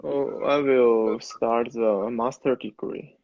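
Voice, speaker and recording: Male, young adult, university student interviewee. Native Mandarin speaker, Mandarin Chinese accent, halting non-native phrasing. Close, dry, slightly muffled recording. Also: mid-range voice, steady tone, a little mellow, no room sound. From China. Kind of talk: informal interview answers.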